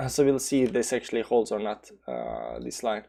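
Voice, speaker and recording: A man's voice: on the low side, big pitch swings, normal speed, gravelly, warm tone. Rambling Balkan-accented man streaming crypto charts. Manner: rambling, many fillers and restarts; reads chat aloud and answers. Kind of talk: casual live chart commentary.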